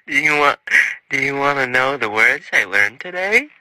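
A man voicing a gleeful, foul-mouthed cartoon puppet neighbor with a sing-song manner that bursts into shrill shouts. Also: very animated, slow pace, heavy background noise. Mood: playful, sly.

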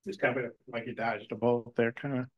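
Quick-talking male reporter, dry sound. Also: mid-range voice, flat delivery, no room sound, muffled recording. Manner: casual, loosely phrased questions. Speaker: sports reporter. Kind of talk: press conference questions.

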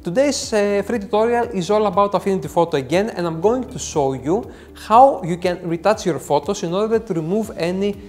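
A man's voice: sits high, lively intonation, brisk, few pauses, a little mellow, soft background music. A man in his thirties with a Greek accent hosts a photo-editing tutorial, talking in a jokey, self-deprecating way with theatrical emphasis. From Greece. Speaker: tutorial host.

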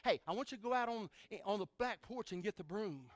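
A man's voice: high-pitched, animated, brisk, no echo, pitched above the performer's own voice. A man voicing a Christian mother who reassures her frightened son. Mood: coaxing. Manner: coaxing, reassuring.

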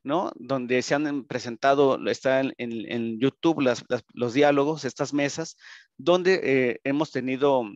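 Male presenter, Mexican accent, mid-pitched voice, halting academic delivery over dull video-call audio. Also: dry recording. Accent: Mexican Spanish. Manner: halting, frequent tag questions. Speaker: researcher presenting at a conference. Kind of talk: conference presentation. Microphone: video call, computer microphone.

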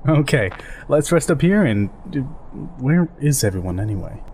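A man plays a rambling, goofy older soldier in a game-scene fan dub, chatty and joking with an easy laugh. His medium-pitched voice swings widely, is slightly mellow, moves at a moderate pace, is lightly acted, and has a faint hiss or hum.

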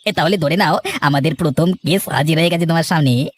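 A man's voice: fairly high pitch, fairly quick, lightly acted. A man voicing a two-faced, ambitious cartoon villager, sly and eager, who swindles his neighbours. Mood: eager, scheming. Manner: smooth-talking, sly, eager. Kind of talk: dramatic cartoon voice acting.

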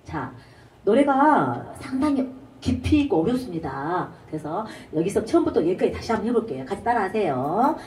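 A woman's voice: mid-range voice, big pitch swings, moderate pace, recorded from a distance. A woman teaching a trot singing lesson, explaining breathing and ornaments and singing short phrases to show them. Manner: demonstrates lines by singing, belts short shouts. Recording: echoey room, voice off-mic.

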